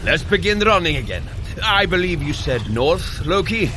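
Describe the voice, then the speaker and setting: An actor playing a boisterous, good-natured warrior god who speaks in grand, old-fashioned formal phrases in an audio drama. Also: male voice, on the high side, sing-song, normal speed, noisy background. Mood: hearty, resolute. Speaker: guide and coach in a fitness adventure. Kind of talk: scripted audio drama acting.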